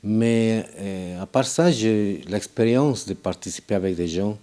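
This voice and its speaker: Halting man with a warm low voice. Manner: halting, many restarts. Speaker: amateur actor. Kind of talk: interview answers.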